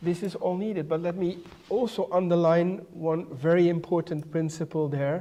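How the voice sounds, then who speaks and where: A man with a Dutch accent speaks at a moderate pace in a high pitch with a dark, mellow tone. His intonation is monotone and flat. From Netherlands. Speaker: EU defence policy speaker. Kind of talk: conference keynote speech.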